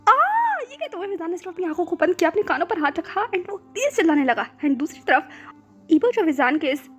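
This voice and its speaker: A woman's voice: extremely high pitch, animated, brisk. A woman narrating a romance story, mixing English words into her telling. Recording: soft background music.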